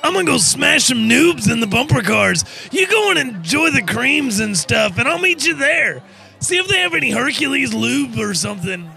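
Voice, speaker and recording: An actor playing a crude, rowdy young dude with excitable, slangy bro talk. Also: male voice, very high voice, normal speed, vocal fry, full character voice. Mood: brash.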